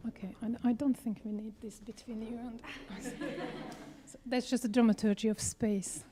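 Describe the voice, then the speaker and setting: A woman from Hungary, presenting her book as a dramaturg in a measured public talk with frequent hesitations, holding a microphone. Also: fairly high pitch, steady tone, warm tone. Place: theater event space. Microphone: handheld microphone.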